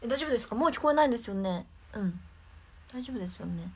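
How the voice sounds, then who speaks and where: A woman's voice: fairly high pitch, expressive, fast, darkish tone, husky. A young woman, chatting casually on a live stream alone in her room and reacting to viewer comments. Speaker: idol livestreamer.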